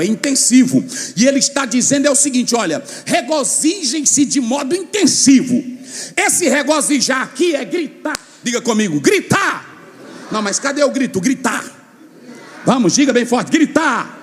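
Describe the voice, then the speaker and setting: High-pitched fiery preacher man in echoing hall. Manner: shouting, sing-song preaching with call and response. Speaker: pastor. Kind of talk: fiery Pentecostal sermon. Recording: long echo of a large hall.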